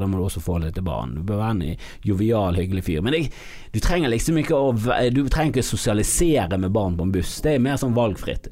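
A comedian from Bergen with a Bergen accent, ranting in a podcast monologue, swinging from loud mock-outrage outbursts to low mutters. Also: male voice. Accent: Bergen Norwegian. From Bergen, Norway.

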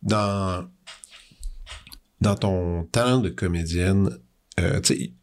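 A man's voice: low voice, takes it slowly, slight background noise. A Québécois man hosting an interview, asking long rambling questions with many stammers. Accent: Québécois French. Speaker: podcast host. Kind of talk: casual interview chat.

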